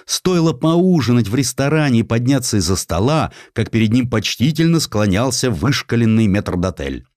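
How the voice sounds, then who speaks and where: Expressive male narrator, swooping intonation. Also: medium pitch, normal speed, no room sound, clean studio sound. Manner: ironic, theatrical, expressive. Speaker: audiobook narrator. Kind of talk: dramatized scripted narration of historical satire.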